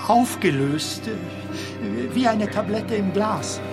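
A doubting film comedian in an audio drama, anxious and searching. He speaks slowly and haltingly, feeling for each word, while music plays clearly behind him. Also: high-pitched, expressive. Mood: hesitant, vulnerable. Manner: hesitant, halting, searching for words. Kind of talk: theatrical audio drama dialogue.

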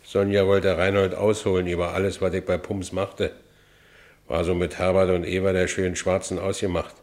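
A haunted working-class man from a radio play , acted by a man, with a low voice and a Berlin accent. He tells his own story with bitterness, as someone who has been broken by it. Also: level tone, normal speed, darkish tone, close to an everyday voice. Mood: haunted, brooding. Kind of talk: radio drama first-person narration.

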